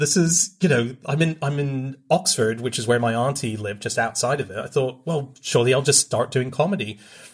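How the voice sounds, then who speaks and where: This man speaks at a fairly quick pace with a fairly high pitch and lively intonation. His voice is somewhat breathy, and the recording is very clean with a silent background. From Hong Kong. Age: 30s. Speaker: podcaster and comedy writer. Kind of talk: casual chat.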